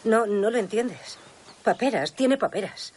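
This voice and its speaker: A woman's voice: mid-range voice, lively intonation, unhurried, a little mellow, slight background noise, lightly acted. An actress playing an anxious, secretive village mother who answers hesitantly and evasively.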